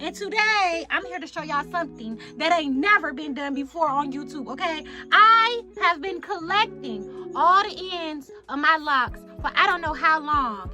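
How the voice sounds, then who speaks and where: Over music in the background, a woman projects her high-pitched voice at a moderate pace, with lively intonation and big swings in loudness. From Norfolk, Virginia. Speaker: rapper and loc stylist. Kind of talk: casual live-stream intro to camera. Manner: upbeat, hyped.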